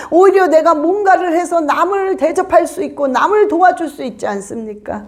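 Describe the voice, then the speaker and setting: Extremely high-pitched woman, animated in tone with lively intonation, at a moderate pace, amid audible room echo and noticeable background noise. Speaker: pastor. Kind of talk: sermon.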